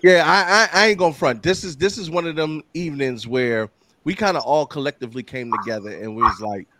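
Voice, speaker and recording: A man's voice: fairly high pitch, a little fast, heavy background noise. A man hosting a podcast, introducing guests with loose, profane banter. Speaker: podcast host. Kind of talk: casual podcast chat.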